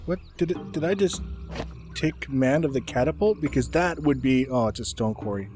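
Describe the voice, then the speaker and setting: A man's voice: medium pitch, moderate pace. A man giving casual gameplay commentary on a video game. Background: game music.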